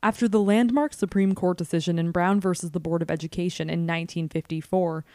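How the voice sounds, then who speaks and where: A woman's voice: lowish voice, steady tone, a little fast, mellow, no room sound, clean studio sound. An American woman reading scripted narration in the manner of a public radio host and reporter.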